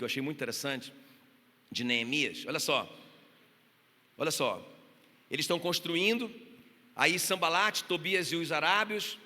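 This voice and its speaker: A pastor with a Brazilian Portuguese accent preaches passionately in a church hall, telling stories and acting out the quotes within them. His voice is on the high side, pushed and bright, and the recording carries the hall's reverb.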